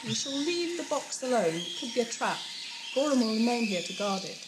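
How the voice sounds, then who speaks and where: High, stern tribal leader, played by a woman. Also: very animated, a little fast, heavy background noise. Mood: commanding. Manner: imperious, formal. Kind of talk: audio drama acting.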